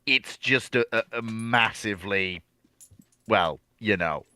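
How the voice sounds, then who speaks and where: A man with a slightly low voice and a bright, tense edge takes part in an informal history panel. He is emphatic, choosing formal words and repeating them for weight. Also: slow pace, smooth. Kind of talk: casual history discussion.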